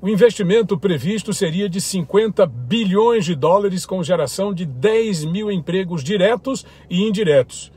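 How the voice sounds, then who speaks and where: A man with a high, husky voice delivers opinionated news commentary. He reads each item in a firm, critical tone, like a commentator hosting his own channel. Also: lively intonation, normal speed, few pauses, a little mellow. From Brazil.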